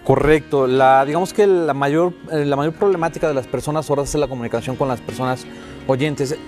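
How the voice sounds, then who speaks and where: Mexican male interpreter, quick earnest delivery, faint music under him. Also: medium pitch, a little mellow. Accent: Mexican Spanish. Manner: earnest, explanatory, many "eh" fillers. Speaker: sign language interpreter. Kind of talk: interview guest, voicing interpretation.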